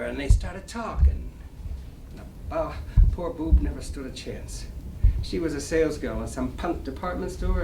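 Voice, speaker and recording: A man's voice: on the high side, full character voice. Man acting slangy gambler, roomy distant recording. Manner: slangy, boastful wiseguy talk with chuckles. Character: cocky, wistful small-time 1920s New York gambler, rambling storyteller. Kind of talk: dramatic play reading before an audience. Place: library reading room. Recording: roomy distant live recording, clear noise.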